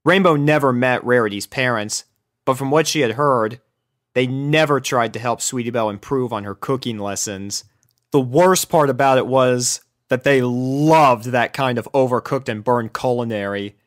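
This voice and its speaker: A woman's voice: rumbling low, moderate pace. A woman narrating a scripted story expressively, as a reader of fan fiction.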